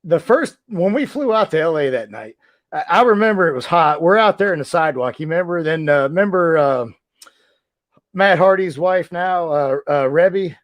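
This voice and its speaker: Man, slightly high voice, close dry sound, casual podcast chat, joking and self-mocking. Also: animated, normal speed, no room sound. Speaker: podcast host, former wrestler.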